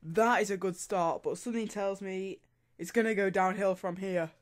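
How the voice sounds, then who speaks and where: A man's voice: sits high, moderate pace. A teenage boy with a cold-stuffed voice, chatting casually in his bedroom as he does viewer dares. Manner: chatty, animated, laughs and groans at dares. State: congested from a cold. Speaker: YouTuber. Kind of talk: casual vlog. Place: small bedroom. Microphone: studio mic on arm near camera.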